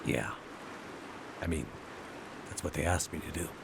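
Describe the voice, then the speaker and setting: A weary game hero with a low, deep voice. He sounds skeptical and dry, keeping a steady, measured delivery. Clear hissing noise sits behind him. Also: full character voice. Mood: wary. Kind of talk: naturalistic video game acting.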